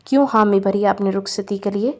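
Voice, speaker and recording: A bitter, defiant young woman speaks her mind in a read-aloud novel, as a woman reader voices her. The delivery is level and flat. She sounds resentful and unyielding. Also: mid-range voice, lightly acted.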